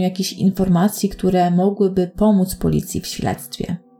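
Over music in the background, a woman speaks at a moderate pace and medium pitch with fairly even intonation. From Poland, Łódź. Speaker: true crime podcaster. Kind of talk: storytelling narration.

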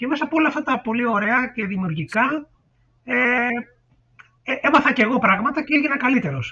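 A man with an extremely high pitch speaks in a raised, projected voice with a bright, sharp tone. His pace is fairly quick, with ordinary pitch variation and long, frequent pauses. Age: 40s. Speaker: economist and school teacher. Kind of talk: podcast interview.

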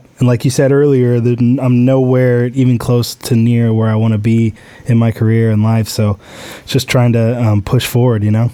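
Over noticeable background noise, a man speaks at a medium pitch in a monotone, flat delivery with very even loudness. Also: moderate pace. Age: 20s. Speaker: music producer. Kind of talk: casual chat.

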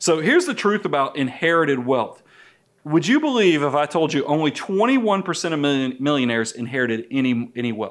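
A man with an American accent speaks in a fairly high, animated voice with lively intonation. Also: fairly quick pace. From US South. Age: 40s. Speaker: financial advisor and podcast host. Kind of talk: casual chat. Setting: studio.

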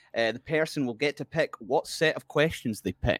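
With vocal fry and lively intonation, a man speaks at a fairly high pitch. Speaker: quiz host. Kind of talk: casual chat.

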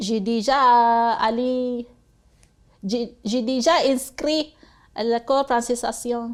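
A woman with a Filipino accent speaks at a high pitch with fairly even intonation. Her pace is very slow, with long, frequent pauses, on a very clean recording with a silent background. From Philippines. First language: Bisaya (speaking French). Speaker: immigrant worker. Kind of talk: interview. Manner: halting.

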